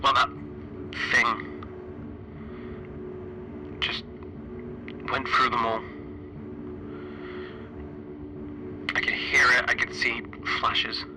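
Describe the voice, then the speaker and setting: A man playing a stranded, grieving spaceship engineer recording a radio-like log for a horror tabletop game, halting and deliberate with long pauses. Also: medium pitch, level tone, background noise. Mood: haunted, grieving. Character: stranded male spaceship flight engineer, weary, grieving lone survivor.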